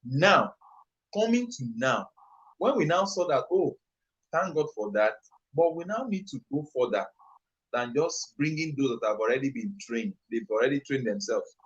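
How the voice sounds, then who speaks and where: A man's voice: medium pitch, lively intonation, normal speed, muffled recording. A man with a Nigerian accent, an entrepreneur answering an interview question on a live stream, talking in a passionate, emphatic, rambling way. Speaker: entrepreneur and youth trainer, guest.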